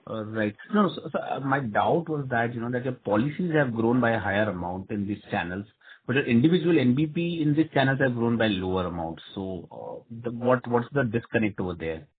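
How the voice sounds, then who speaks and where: Husky Indian male analyst on phone. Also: mid-range voice, expressive, a little fast. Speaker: analyst asking questions. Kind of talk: polite conference call questioning. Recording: tinny phone-like line.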